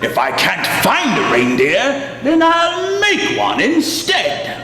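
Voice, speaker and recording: A man's voice: extremely high pitch, huge pitch swings, slow, pitched above the performer's own voice, heavily acted. A man voicing a sour, scheming grumpy middle-aged creature, the storybook villain, with a snarling, sneering, theatrical delivery. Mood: gleeful scheming. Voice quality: snarling, hissing. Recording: echoey reverberant room, music behind.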